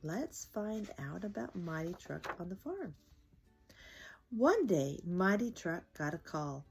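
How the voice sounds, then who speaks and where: A woman's voice: fairly low pitch, big pitch swings, slow pace, vocal fry, faint music behind. An older woman hosting a children's story time, reading aloud expressively to young listeners.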